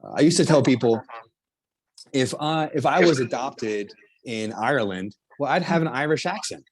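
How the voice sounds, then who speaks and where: A middle-aged man with a South Jersey accent, a chiropractor explaining his healing technique in an interview, halting and restarting as he talks. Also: medium pitch, animated, slight background noise. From New Jersey. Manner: halting, with frequent restarts and fillers. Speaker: chiropractor and healer, guest.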